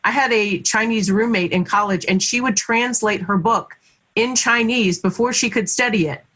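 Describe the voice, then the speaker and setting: Woman, panel moderator, appreciative, mid-pitched voice. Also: normal speed, fairly bright tone. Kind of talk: webinar panel discussion.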